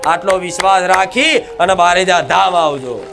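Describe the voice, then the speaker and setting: A man's voice: sits high, moderate pace, gravelly, music in the background. A man giving a devotional sermon as a spiritual medium speaking as a goddess, talking nonstop and leading the crowd in call-and-response chants.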